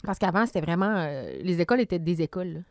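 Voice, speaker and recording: A woman's voice: on the low side, expressive, fast talker, darkish tone, no echo, studio quality. A woman with a Quebec French accent, co-hosting a casual podcast and explaining things at length with many fillers. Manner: explanatory, talks through detail with fillers. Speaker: podcast co-host. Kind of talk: casual episode recap chat.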